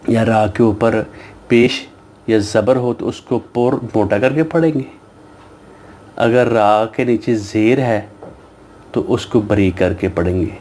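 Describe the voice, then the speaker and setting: Man, fairly low voice, patient teacher, slow spelled-out reading lesson, repeats syllables. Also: a little mellow, a little hiss or hum.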